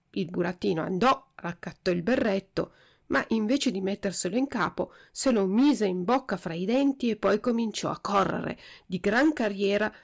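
A woman narrating a storybook with an expressive, steady delivery. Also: medium pitch, gravelly. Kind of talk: storybook reading.

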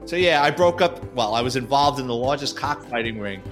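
A man, a former police detective, telling war stories in a casual, profane, animated way. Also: mid-range voice, fairly quick, soft background music. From New York. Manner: profane, animated, acts out quotes. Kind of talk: casual storytelling.

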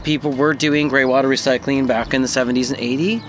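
A man speaking in a relaxed, conversational way, interviewed outdoors on a roof deck. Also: mid-range voice, fast, soft background music. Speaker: interviewee, homeowner. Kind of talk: casual interview.

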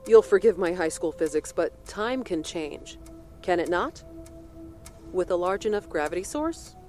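A cool, secretive senator interrogating a witness in an audio drama. Her voice sits on the low side and stays composed and probing. Faint music plays beneath. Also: expressive, dark tone. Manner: measured, probing questions.

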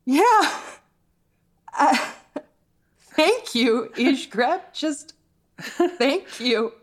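A woman's voice: sits high, sing-song, drawn-out words, full character voice. An actress playing a bold, playful, scheming alien woman in a sci-fi audio drama, emphatic and dramatic. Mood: moved.

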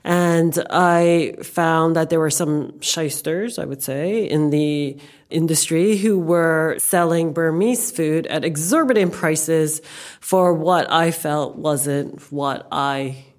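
A woman's voice: low-pitched, slow. An American woman speaking as a guest in a casual panel discussion, chatty and emphatic, often repeating words for stress. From New York, United States. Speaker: podcast guest, banking professional.

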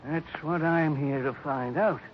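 A man's voice: fairly high pitch, measured pace, lightly acted. A man playing a bitter, vengeful father, menacing and insistent, in an old-time radio western drama. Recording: dull, faintly noisy old radio recording.

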